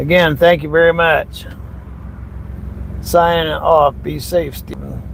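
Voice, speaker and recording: A man with an American accent at a very slow pace, with long, frequent pauses, big swings in loudness, and noticeable background noise. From California. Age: 60s. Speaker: truck driver. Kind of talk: livestream chat. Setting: in a truck. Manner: casual, halting with fillers.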